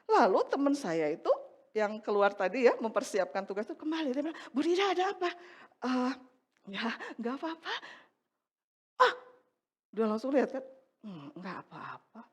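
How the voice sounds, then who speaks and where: A woman's voice: sits high, normal speed, long pauses, breathy edge. A middle-aged woman preaching a sermon in church, telling a personal testimony and acting out the voices in her story. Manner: animated storytelling, acts out dialogue.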